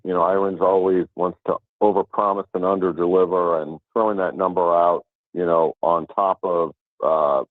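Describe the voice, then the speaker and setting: A male analyst puts a question on an earnings call over a narrow, tinny phone line. His voice is fairly low and dry, and he talks in an informal, halting way. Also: dry recording. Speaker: financial analyst asking questions.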